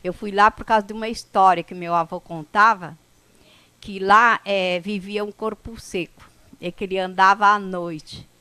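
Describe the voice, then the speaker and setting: A woman from the São Paulo coast whose first language is a Brazilian indigenous language, telling her life story to an audience in an unhurried, conversational way. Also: mid-range voice, steady tone, pushed and bright, clear, resonant tone, dry recording. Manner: unhurried, conversational, with frequent "né?" tags and restarts. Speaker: indigenous speaker at an event.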